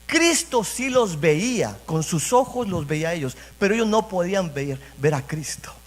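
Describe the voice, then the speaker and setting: High-voiced man preaching in echoing church. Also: animated, moderate pace. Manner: repeats phrases, addresses congregation directly. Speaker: pastor. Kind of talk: sermon. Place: church sanctuary. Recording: reverberant church hall.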